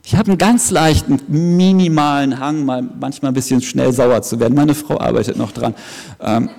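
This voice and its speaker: A man's voice: mid-range voice, moderate pace, creaky, a little mellow. A man preaching a sermon in an emphatic, earnest way with joking asides, heard in a large hall at an evening service. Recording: long reverb of a big hall.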